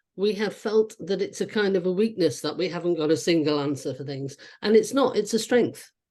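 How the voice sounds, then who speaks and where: With a British accent, the speaker's pitch swings very widely over a quiet background. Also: woman. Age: 70s. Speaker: psychologist. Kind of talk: webinar Q&A.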